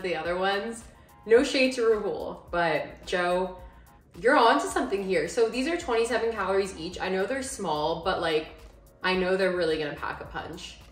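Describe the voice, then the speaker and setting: A woman's voice: on the low side, moderate pace, husky, faint music behind. A young adult woman talks casually as a food vlogger hosting recipe reviews, informal and sprinkling in "like" as she goes. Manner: informal, frequent "like" as filler.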